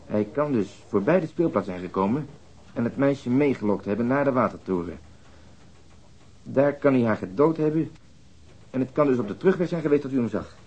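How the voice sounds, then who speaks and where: Husky, methodical police detective. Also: male voice, mid-range voice, animated, a little fast, a little mellow, lo-fi sound. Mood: measured, formal. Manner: matter-of-fact, formal, probing. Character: methodical male police detective questioning a witness. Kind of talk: radio drama acting.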